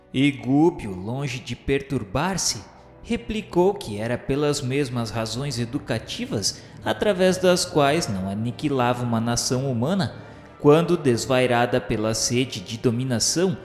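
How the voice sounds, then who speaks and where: Guy acting as earnest spirit narrator, brazilian accent, solemn radio drama, mid voice, big echo, music underneath. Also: medium pitch. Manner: solemn, literary, carefully enunciated. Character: earnest male spirit recounting a journey through darkness. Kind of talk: scripted first-person dramatic narration. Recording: reverberant studio sound with music bed.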